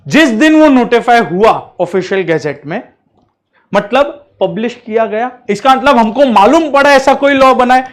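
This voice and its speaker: High-voiced male law teacher. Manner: checks in often with the class; mixes English terms into speech. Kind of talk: classroom lecture.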